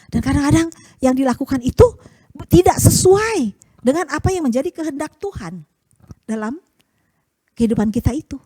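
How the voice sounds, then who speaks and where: A woman's voice: high-pitched, lively intonation, normal speed, pauses often, dark tone, dry recording. A woman preaching a conversational sermon, asking rhetorical tag questions and acting out the prayers and voices she quotes. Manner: chatty, rhetorical tag questions, chuckles often.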